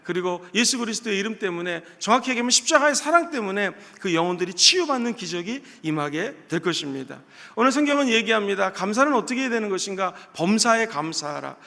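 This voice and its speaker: A man pastor telling a story in a sermon, rising now and then to loud exclamations. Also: high-pitched, animated, fast, gravelly. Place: church sanctuary. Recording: reverberant church hall.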